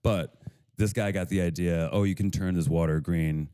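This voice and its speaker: A man from Chicago co-hosting a podcast, telling rambling stories quickly and swearing a lot in casual chat. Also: low voice, steady tone, mellow, clean tone, no room sound, clean studio sound. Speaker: podcast co-host.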